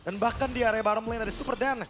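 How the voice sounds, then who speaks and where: A man's voice: high-pitched, fairly even intonation, fast talker, a little hiss or hum. An Indonesian man giving live analytical commentary on an esports match. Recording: broadcast with music behind.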